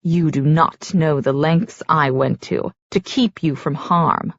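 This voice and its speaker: This is a cruel queen mother, cold and scheming, and every word cuts with scorn. Her voice sits low and close, voiced by a woman reading the book aloud. The recording is dry and a little dull. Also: takes it slowly, creaky, no echo, full character voice. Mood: scornful. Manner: scornful, cutting.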